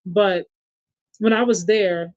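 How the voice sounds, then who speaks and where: A man's voice: high-pitched, steady tone, slow, no room sound. A man with a New York accent hosting a casual sports chat, talking to his listeners and reading their comments aloud. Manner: chatty, addresses the audience as y'all and reads viewer comments aloud. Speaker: podcast host. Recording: dull lo-fi sound.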